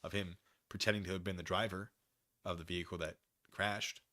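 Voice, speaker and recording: An American man streaming a dramatic reading of a document, breaking off into wry, excitable, casual asides as he goes. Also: deep voice, brisk, no echo. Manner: animated, wry, digressive, easily excited.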